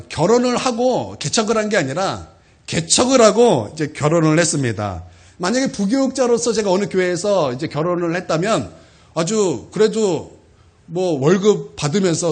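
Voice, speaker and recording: High-voiced, animated Korean pastor preaching. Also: male voice, moderate pace, husky. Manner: emotional, heartfelt testimony to the congregation. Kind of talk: sermon.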